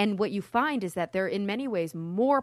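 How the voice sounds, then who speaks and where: A woman at medium pitch and moderate pace, with an unremarkable speaking voice. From Texas (Plano). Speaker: science communicator and podcaster. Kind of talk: casual interview chat. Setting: remote call.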